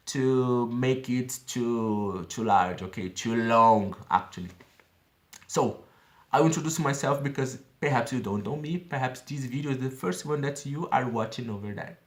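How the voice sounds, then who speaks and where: Brazilian guy in his 30s, english w portuguese accent, earnest chatty app walkthrough, keeps asking okay?. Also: mid-range voice. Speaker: language-learning vlogger.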